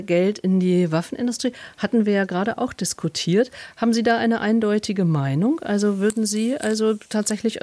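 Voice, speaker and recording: A woman's voice: mid-range voice, a little mellow, no echo. A woman moderating a political debate, probing and steering the speakers.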